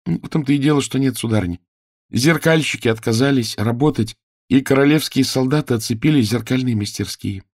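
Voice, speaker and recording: A man's voice: mid-range voice, brisk, a little mellow, no echo, clean studio sound, pitched above the performer's own voice, close to an everyday voice. A man voicing a young girl disguised as a page boy, talking eagerly and pleading with her friend.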